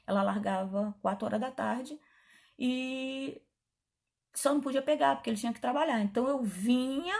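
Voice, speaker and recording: A middle-aged woman pastor tells her testimony in a lively, conversational way. Her voice sits a little high, with a husky, breathy edge. She keeps breaking into quoted dialogue and side remarks. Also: normal speed. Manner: animated, chatty, frequent asides and quoted dialogue. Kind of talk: testimony storytelling.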